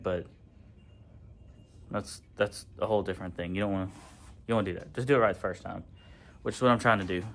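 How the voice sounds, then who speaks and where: Easygoing shop guy, lower voice, chatty and unpolished, explaining his build. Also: vocal fry. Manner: relaxed, rambling, with many fillers. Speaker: fabricator and channel host. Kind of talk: casual shop vlog. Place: garage workshop.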